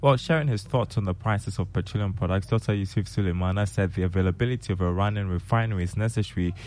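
A man's voice: low voice, quick pace, darkish tone, a little hiss or hum. A man with a Ghanaian accent presenting a business news bulletin on the radio.

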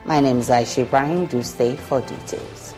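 A woman with a Ghanaian accent reading the news headlines in a measured, formal way. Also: very deep voice, loud music behind the voice. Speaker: news anchor.

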